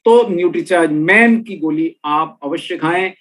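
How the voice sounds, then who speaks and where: A man's voice: a little high, normal speed, a bit bright. A middle-aged man presenting a health and nutrition talk, explaining step by step and speaking straight to his listeners. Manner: explanatory, addresses listeners directly. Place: room with products on shelves behind.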